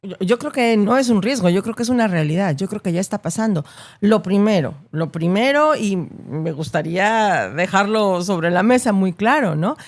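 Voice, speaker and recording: A woman's voice: medium pitch, animated, moderate pace. A woman, a journalist guest answering in an interview, thoughtful and emphatic, often tagging points with a questioning "no?". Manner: thoughtful, emphatic, with frequent rhetorical "¿no?".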